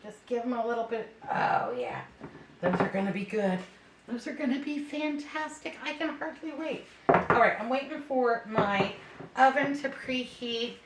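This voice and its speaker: A middle-aged or older woman bakes in her home kitchen while chatting to viewers in a casual, folksy way, rambling through anecdotes and repeating herself. Her voice is on the high side and expressive, at a normal speed. The room sounds echoey, with a distant mic and faint noise.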